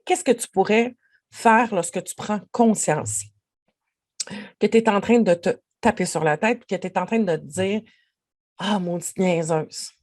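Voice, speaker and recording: A woman's voice: mid-range voice, unhurried. A woman with a Québécois French accent, a life coach giving a podcast monologue and speaking straight to the listener. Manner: animated, speaks directly to the listener.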